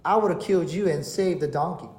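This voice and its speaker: A woman's voice: on the low side, drawn-out words, darkish tone, voice pushed down. A woman preacher voicing a stern angel who warns a man he would have been killed, in an echoey hall. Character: stern sword-bearing angel, solemn warning.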